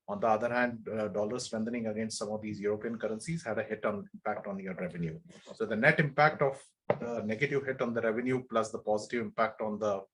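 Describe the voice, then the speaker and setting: A man's voice: fairly low pitch, slightly rough, rough recording. A man explaining figures as a finance executive on an earnings call, in a matter-of-fact way.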